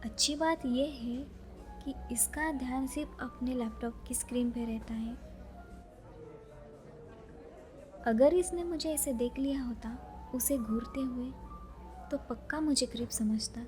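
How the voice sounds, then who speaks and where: A woman playing a chatty, dreamy young librarian who is easily flustered, musing softly to herself in an audio romance drama. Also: high-pitched, normal speed, faint music behind, close to an everyday voice. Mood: smitten, curious.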